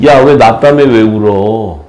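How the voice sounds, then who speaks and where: A man's voice: lowish voice, measured pace, a little mellow, natural voice, poor audio. A man voicing Jesus as a blunt, offhand figure who waves off mourners in plain casual speech, inside a sermon. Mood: brushing off.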